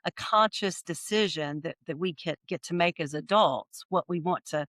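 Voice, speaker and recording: A middle-aged woman answering interview questions in a thoughtful, warm way, often checking in with "right?". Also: fairly low pitch, moderate pace, dry recording, clean studio sound. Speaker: podcast guest.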